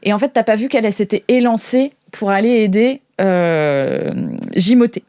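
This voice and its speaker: A woman with a French accent improvising narration as game master of a tabletop role-playing game, thinking aloud in halting phrases. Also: medium pitch, a little mellow, dry recording, clean studio sound. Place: studio.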